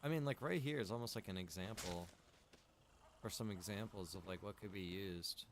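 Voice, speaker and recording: A man chatting casually on a game livestream, rambling and thinking out loud. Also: fairly low pitch, moderate pace, slight background noise. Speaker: game streamer. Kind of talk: casual livestream chat while gaming.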